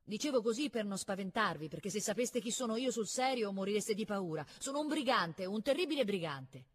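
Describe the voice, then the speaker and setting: A woman's voice: medium pitch, expressive, fairly quick, a little hiss or hum, pitched above the performer's own voice, close to an everyday voice. A woman reading aloud and voicing a proud, touchy young noble boy who speaks indignantly and boastfully.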